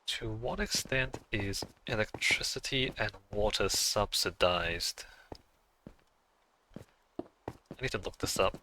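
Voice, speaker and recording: A man with a lowish but bright, forceful voice talks casually to his livestream viewers. English is not his first language, and he thinks aloud in an easy, musing way, breaking into small laughs. A faint hiss sits under his voice. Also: slow pace, long pauses, poor audio. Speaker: livestreamer playing a game.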